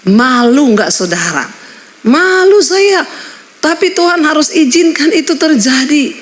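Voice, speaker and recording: A middle-aged woman pastor preaching a sermon in church, telling stories with sudden high exclamations. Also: animated, unhurried.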